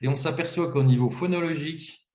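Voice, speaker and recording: A man's voice: fairly high pitch, a little fast, darkish tone. Man, webinar demo, step-by-step explaining, echoey room. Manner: explanatory, walks through screens step by step. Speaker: webinar presenter. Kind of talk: webinar software demonstration. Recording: roomy, echoey webinar audio.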